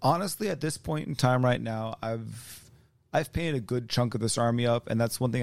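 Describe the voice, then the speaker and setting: A man with medium pitch and a plain, everyday voice is heard on a very clean recording with a silent background. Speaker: guest, tabletop wargame hobbyist. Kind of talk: casual interview.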